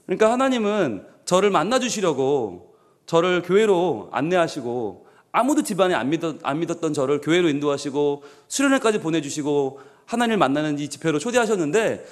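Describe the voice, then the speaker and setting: A man in his forties, a pastor from the Gyeongsang region, preaching a sermon in a church with personal stories, acting out quoted voices and joking. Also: sits high. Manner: animated, jokey, acts out quoted voices.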